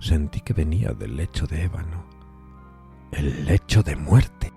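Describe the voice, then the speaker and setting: A man with a deep, velvety dark voice narrates a gothic tale over faint music. His delivery is theatrical and literary, shifting between hushed phrases and emphatic ones. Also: unhurried, gravelly. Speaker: podcast narrator reading a horror tale.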